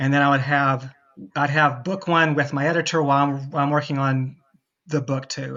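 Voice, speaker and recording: Talking at a fairly quick pace, a man with a West Texas accent has a fairly high pitch. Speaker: novelist. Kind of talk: interview conversation. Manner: halting, repeats words.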